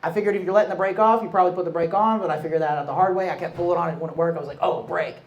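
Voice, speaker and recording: A man's voice: sits high, fairly even intonation, very fast, reverberant, muffled recording, slight background noise. A man telling a crude, profane, self-mocking story at a live storytelling show.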